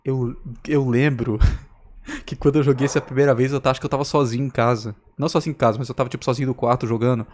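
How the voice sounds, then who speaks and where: A man's voice: mid-range voice, fairly even intonation, fast, a little mellow. A Brazilian man reacting casually, telling stories in a rambling, slangy way. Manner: slangy, rambling, repetitive storytelling. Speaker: reaction video host.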